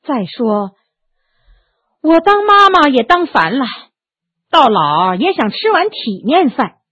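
A woman's voice: high-pitched, big pitch swings, takes it slowly, sharp tone, full character voice. A woman voicing a shrewd, worldly aging madam. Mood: weary. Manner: sighing, worldly and defiant. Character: shrewd aging brothel madam, tough and weary. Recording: tinny narrow phone-like sound, dry.

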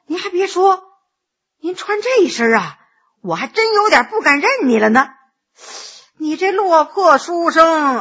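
A woman's voice: high voice, a bit bright, lo-fi sound, full character voice. A woman doing a thoughtful young male scholar. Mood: amused.

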